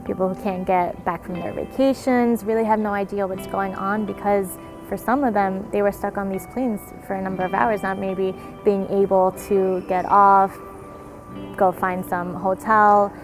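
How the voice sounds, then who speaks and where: Woman explaining history in an interview, measured, music going behind her. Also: mid-range voice, fairly even intonation.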